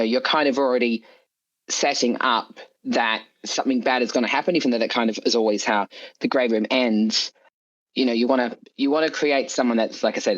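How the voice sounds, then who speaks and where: A man being interviewed as an author, explaining his choices in a casual, measured way. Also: medium pitch, highs cut off.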